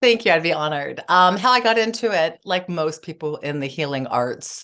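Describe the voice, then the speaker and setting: A woman uses a plain, everyday voice with a fairly low pitch and lively intonation. She keeps a moderate pace against a quiet background. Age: 50s. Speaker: psychotherapist and relationship expert. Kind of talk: interview.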